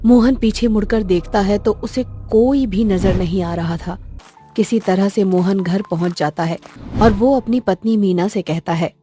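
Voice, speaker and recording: A woman narrating a cartoon story in a steady storytelling manner. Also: medium pitch, unhurried. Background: background music.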